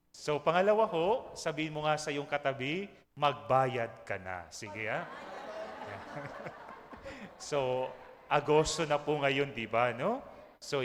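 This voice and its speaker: A male priest giving a jokey, conversational sermon in a large church, often ending phrases with a tag question. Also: on the high side. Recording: long church reverb.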